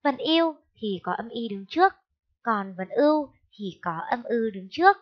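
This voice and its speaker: A woman teaching a first-grade lesson, speaking slowly and clearly and spelling out syllables in a raised, sing-song voice. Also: on the high side. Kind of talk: slow, clear classroom lesson. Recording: dull lo-fi sound.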